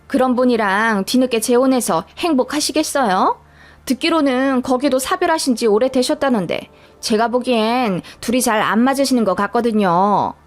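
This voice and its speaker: A woman's voice: fairly high pitch, moderate pace, lightly acted. A woman voicing a nosy, greedy older mother-in-law who insinuates and justifies herself. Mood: insinuating. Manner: prying, self-justifying, insinuating.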